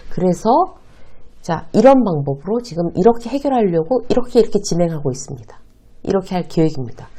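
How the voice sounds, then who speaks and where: A woman teaches in a lively, up-and-down voice with a gravelly edge. Her tone is warm and mellow. She poses questions and answers them herself, as if in conversation. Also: medium pitch. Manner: acts out short quoted exchanges. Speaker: workplace advice host. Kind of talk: talk-style lesson to viewers.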